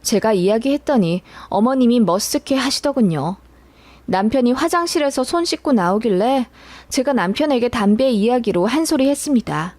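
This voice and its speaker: A woman's voice: on the high side, lively intonation, moderate pace, a little mellow, no room sound. Woman narrating a radio-style story.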